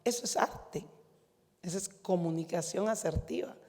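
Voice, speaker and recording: A woman's voice: fairly low pitch, moderate pace, gravelly, darkish tone, in a large hall. A middle-aged woman with a Guatemalan Spanish accent, a physician giving a conference talk to medical students in a conversational storytelling manner, often using rhetorical questions.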